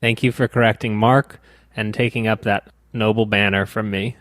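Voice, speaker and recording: A man's voice: on the low side, steady tone, moderate pace, fairly bright tone, no room sound. Man explaining game rules, dry close mic. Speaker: podcast co-host. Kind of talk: casual board game chat.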